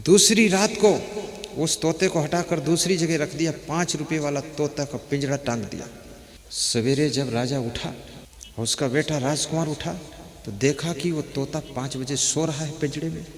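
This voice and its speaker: A man giving a sermon, telling a story and rising to forceful exhortation. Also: fairly high pitch, fairly even intonation, moderate pace. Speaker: spiritual teacher. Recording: long hall reverb.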